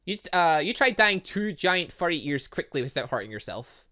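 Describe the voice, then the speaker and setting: An excitable, rambling gaming host giving let's play commentary, reading game text aloud and breaking off to exclaim. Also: medium pitch, normal speed.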